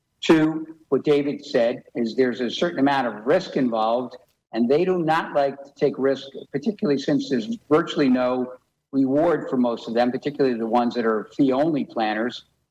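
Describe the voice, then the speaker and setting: The speaker is a man with a medium pitch and ordinary pitch variation. His unremarkable speaking voice moves at a fairly quick pace. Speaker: insurance expert. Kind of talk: panel discussion.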